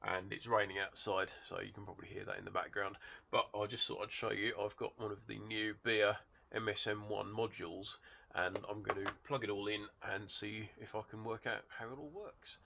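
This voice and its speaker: A man with a stuffed-up nose from a cold, hosting his channel and calmly explaining a hobby gadget step by step from his workshop. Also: lowish voice, normal speed, creaky. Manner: explains step by step, relaxed, with hesitations. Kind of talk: casual product demonstration. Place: home workshop with rain outside. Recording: rain and model engine noise behind.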